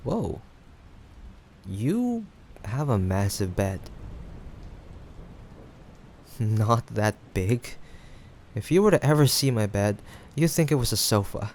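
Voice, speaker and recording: A young man playing an affectionate, teasing male friend who is a bit awkward, speaking haltingly in an intimate roleplay addressed to the listener. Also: lowish voice, exaggerated voice. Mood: awkward, accommodating. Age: young adult. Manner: halting, hesitant, with sighs and soft chuckles. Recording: steady background noise, rain ambience. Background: rain sound effects.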